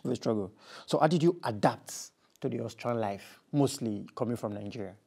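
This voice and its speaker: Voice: mid-range voice, animated, a little fast, dark tone, slightly rough. A show host interviewing a guest in a chatty way, echoing and repeating the guest's words. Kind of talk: interview hosting. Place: community TV studio.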